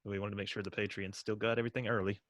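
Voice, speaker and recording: Deep-voiced laid-back podcast host. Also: male voice, flat delivery, racing, a bit bright, no room sound. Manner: laid-back, laughs often. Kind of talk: late-night casual podcast chat.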